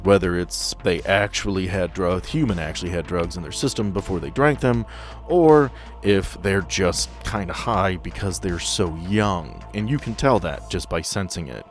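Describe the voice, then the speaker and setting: A man's voice: low voice, moderate pace, faint music behind. A man acting as game master, improvising narration for a tabletop roleplaying game.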